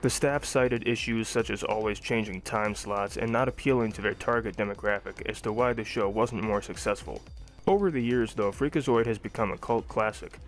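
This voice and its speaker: A man's voice: lowish voice, moderate pace, soft background music. A young adult man narrating a scripted cartoon review.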